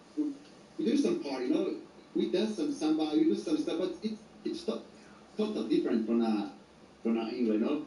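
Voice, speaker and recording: A man with a Brazilian Portuguese accent, amid audible room echo and noticeable background noise. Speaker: former footballer. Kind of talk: radio interview. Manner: halting, with many fillers.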